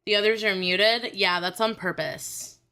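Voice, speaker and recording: A woman's voice: mid-range voice, fairly even intonation, measured pace, pushed and bright, smooth. A woman hosting a casual livestream, chatting in a playful, teasing, exclamatory way. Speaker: streamer and host.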